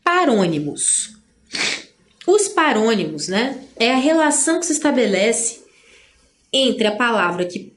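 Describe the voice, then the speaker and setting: A Brazilian Portuguese-speaking woman teaching an online grammar lesson in a chatty way, often tagging "né?" and drawing out example words. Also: high-pitched. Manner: chatty, tags phrases with "né?"; drawls out example words slowly.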